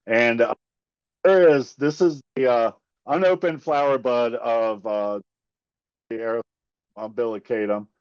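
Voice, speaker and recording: A man giving an informal nature talk on a video call, his voice cutting out over a bad connection, halting with many fillers. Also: mid-range voice, a little mellow, clean tone, no echo. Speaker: seminar presenter. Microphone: Bluetooth earbuds on a video call. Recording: dull, dry, choppy call audio.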